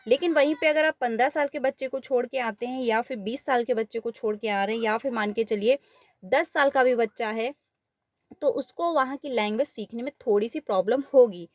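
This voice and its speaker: A woman's voice: fairly high pitch, fairly quick, dry recording, studio quality. A woman teacher, walking through exam questions step by step, mixing English words into her Hindi and repeating the answers. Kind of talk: exam paper walkthrough lesson.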